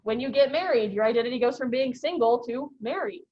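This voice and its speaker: High-voiced woman lecturing casually. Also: a little fast. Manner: chatty, many "you know" fillers and "um"s. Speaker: college instructor. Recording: dull lo-fi lecture recording.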